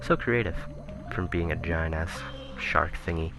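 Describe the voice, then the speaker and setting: A man commentating casually on a video game he is playing, rambling and correcting himself, his voice turning raspy. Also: very deep voice, measured pace. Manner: rambling, self-correcting, chuckling asides. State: voice getting raspy. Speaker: let's play commentator. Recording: game music playing behind.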